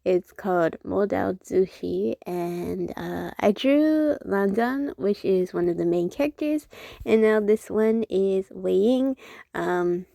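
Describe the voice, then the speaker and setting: A woman's voice: medium pitch, slow pace, gravelly, warm tone, no room sound, studio quality. A young woman chatting casually about her drawing, rambling with lots of fillers and self-corrections. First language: not Chinese-first; Chinese is her second language. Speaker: art vlogger. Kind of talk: casual chat while drawing.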